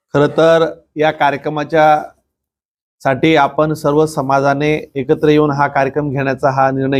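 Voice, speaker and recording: A man's fairly high-pitched voice in a monotone, flat intonation. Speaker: politician, state legislator. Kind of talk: public appeal to community.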